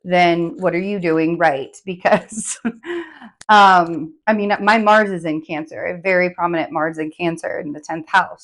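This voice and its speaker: A hoarse woman giving a casual, chatty tarot forecast, rambling with many fillers as she recovers from laryngitis. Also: on the low side. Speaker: tarot reader.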